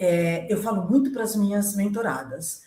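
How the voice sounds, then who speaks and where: At a fairly slow pace, a woman speaks at a medium pitch. She has an ordinary speaking voice. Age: 60s. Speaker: women's mentor. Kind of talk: casual podcast chat. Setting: live-streamed podcast.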